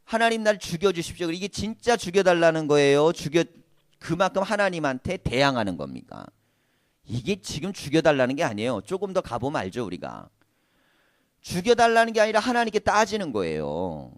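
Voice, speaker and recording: Man preaching with wildly lively pitch. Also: moderate pace, no echo, clean studio sound. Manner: conversational preaching with many rhetorical questions; occasional laughter. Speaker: pastor. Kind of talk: sermon at a prayer meeting.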